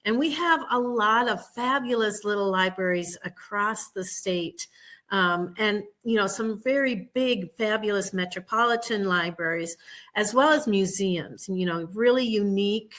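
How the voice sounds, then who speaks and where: A woman state senator talking casually on a radio show, steady and thoughtful with frequent fillers. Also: mid-range voice. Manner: warm, measured, many fillers.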